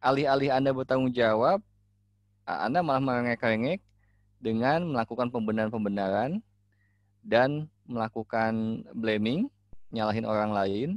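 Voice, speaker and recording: A man, a life coach, talking casually to his listeners, relaxed and full of fillers and restarts. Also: mid-range voice, moderate pace, long pauses, dry recording. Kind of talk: casual teaching talk.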